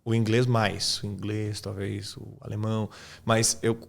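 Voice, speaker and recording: Talking casually on a podcast, a man from Brazil who teaches English walks through his method, regularly checking in with "tá?" and "cara" to make sure the listener keeps up. He speaks unhurriedly in a lowish, creaky voice with flat delivery.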